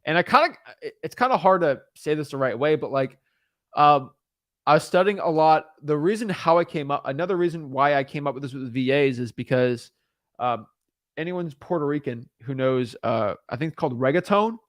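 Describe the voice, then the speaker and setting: A man's voice: on the high side, brisk, no echo, clean studio sound. A young man giving rambling, repetitive real estate advice, full of fillers and restarts. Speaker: real estate wholesaling coach. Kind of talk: casual talking-head advice.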